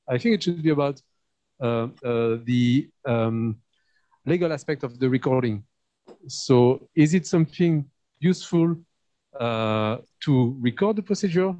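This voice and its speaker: A man with a French accent moderating and relaying questions, haltingly repeating words as he searches for phrasing. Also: medium pitch, dark tone. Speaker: moderator and interpreter. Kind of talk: relaying questions and explaining informally. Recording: dull, lo-fi audio.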